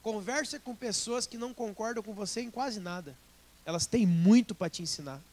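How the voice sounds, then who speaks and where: A Brazilian man preaching a sermon as pastor, lively and joking, slipping into quick acted asides. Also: high-pitched. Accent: Brazilian Portuguese.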